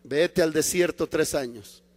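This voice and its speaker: A man voicing God as a calm, stern, commanding figure in a sermon, speaking slowly and softly. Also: fairly high pitch, in a large hall, voice pushed down. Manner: slow, hushed, firm and patient. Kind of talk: acted quote in a sermon.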